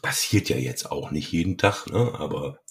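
A middle-aged man hosts a casual podcast in an extremely low voice. It has a rough smoker's rasp, gravelly and grating. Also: animated, normal speed. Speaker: podcast host, lawyer.

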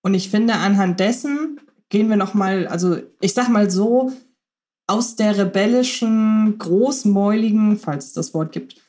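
A woman's voice: mid-range voice, a little slow, dark tone. Woman musing, hesitant podcast host. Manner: thoughtful, many filler sounds and hesitations. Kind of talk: casual analytical chat.

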